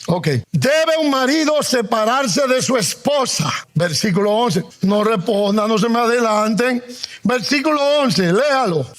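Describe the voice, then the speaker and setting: High-voiced man preaching a sermon. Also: expressive, fairly bright tone. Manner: calls the congregation to repeat after him; emphatic, drawn-out stressed words. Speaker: pastor.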